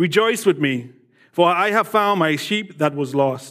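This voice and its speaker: Speaking with a Bahamian accent, a man has a high pitch. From the Bahamas. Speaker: guest preacher. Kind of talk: sermon. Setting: church.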